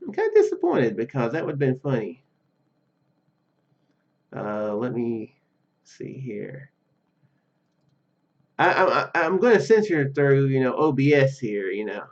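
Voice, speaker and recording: A let's-play video host with a mid-range voice, his pitch swoops wildly while he keeps a measured pace and pauses often. His casual, rambling gameplay commentary is mixed with reading dialogue aloud, and he hesitates and repeats words. The dull lo-fi mic picks up faint music.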